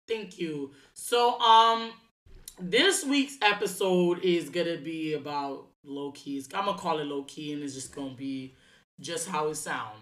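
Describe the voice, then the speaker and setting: A woman's voice: sits low, measured pace, fairly bright tone. A woman hosting her own podcast, talking in a loose, slangy solo monologue full of fillers. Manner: chatty and slangy, many fillers. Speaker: podcast host. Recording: echoey room.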